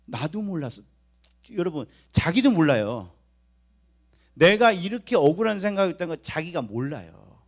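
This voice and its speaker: A male pastor preaching an animated sermon that swings between loud and hushed. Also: a little high.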